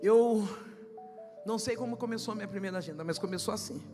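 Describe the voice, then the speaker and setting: A woman pastor with a Brazilian Portuguese accent gives an emotional testimony sermon, moving from quiet storytelling to shouted, half-sung preaching. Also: mid-range voice, quick pace. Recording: echoey hall with long reverb and loud music behind.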